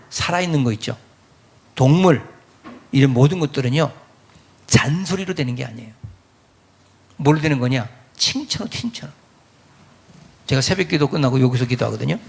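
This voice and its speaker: A middle-aged man preaching a sermon as pastor, lively, acting out quoted voices of parents and churchgoers. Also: mid-range voice, normal speed, creaky, long pauses, slightly rough.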